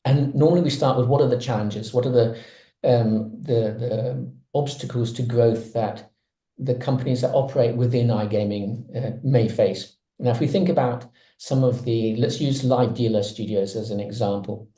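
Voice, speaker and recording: A man's voice: mid-range voice, moderate pace, mellow, echoey room. A man speaking on a webinar panel, explaining ideas conversationally with examples over a video call.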